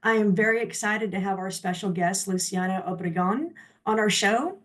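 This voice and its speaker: A woman's voice: medium pitch, normal speed, a bit bright. A woman hosting an interview show, opening with a polished, upbeat scripted introduction and then asking her guest questions. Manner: polished, upbeat presenter delivery. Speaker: host.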